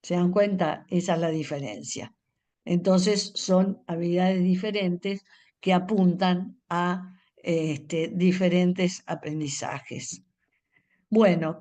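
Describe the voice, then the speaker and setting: An older woman gives a lecture to teachers. She explains step by step, often pausing on fillers, and draws out single speech sounds to demonstrate them. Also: on the low side, dark tone. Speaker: reading education specialist speaking to teachers.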